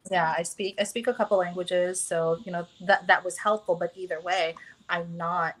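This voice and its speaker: An American woman talking as a guest in a casual conversation, pausing often with fillers and restarts. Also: lowish voice, fairly even intonation, a bit bright, low-quality recording. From United States. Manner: hesitant, many fillers and restarts.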